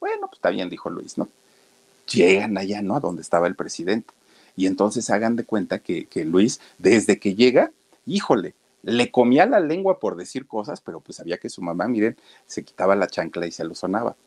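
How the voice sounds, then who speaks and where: A man's voice: on the low side, expressive, normal speed, a little mellow. Folksy Mexican man telling a tale. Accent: Mexican Spanish. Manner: chatty, folksy, addresses listeners directly. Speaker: storyteller. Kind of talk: casual storytelling to viewers.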